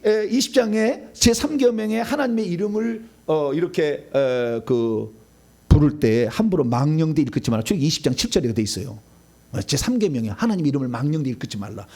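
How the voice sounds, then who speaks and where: A man's voice: high-pitched, husky. A middle-aged male pastor giving a teaching sermon, quizzing his listeners and laughing at his own slips. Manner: animated teaching, asks the audience questions, laughs at own slips. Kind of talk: sermon lecture.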